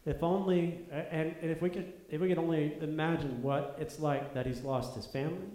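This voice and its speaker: A man preaching in a church sanctuary, his voice pitched a little high and ringing through a roomy, echoey space. He talks earnestly to his congregation and climbs to emphatic peaks, repeating phrases for weight. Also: fairly even intonation, brisk, dark tone. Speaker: pastor. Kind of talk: sermon. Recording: echoey room.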